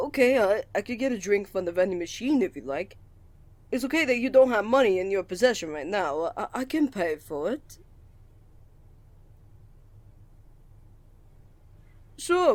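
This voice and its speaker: Someone acting a shy, stammering young gentleman student. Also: medium pitch, no room sound, natural voice. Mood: apologetic, helpful. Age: young adult.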